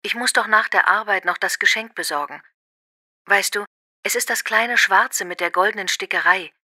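Very bright sharp voice, actress as affectionate woman leaving her partner a voicemail, clear diction, dry sound. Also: medium pitch, normal speed, no room sound. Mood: affectionate, asking. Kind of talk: acted voicemail message for a listening exercise.

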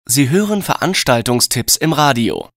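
Dry close sound, neutral formal narrator reading exam instructions, mid pitch. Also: big pitch swings, moderate pace, a bit bright, no echo. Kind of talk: scripted listening test instructions.

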